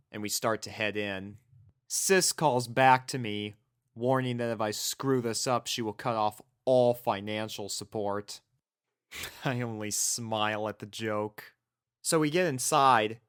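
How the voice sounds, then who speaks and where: A man's voice: lowish voice, fairly bright tone, smooth. A man reading a first-person fan fiction story as its narrator.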